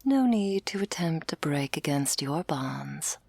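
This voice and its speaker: Actress as patronising female elder angel for ASMR role-play audio drama; stern, measured, breathy with gravelly fry, dry close sound. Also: sits low, expressive, darkish tone, no room sound, exaggerated voice. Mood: cool, condescending. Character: stern, condescending female elder angel, commanding mother superior.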